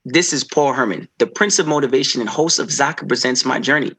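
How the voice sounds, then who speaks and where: A man's voice: medium pitch, brisk, pushed and bright, husky. A man hosting an interview podcast, asking questions in an encouraging, casual way with frequent affirming murmurs. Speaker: podcast host.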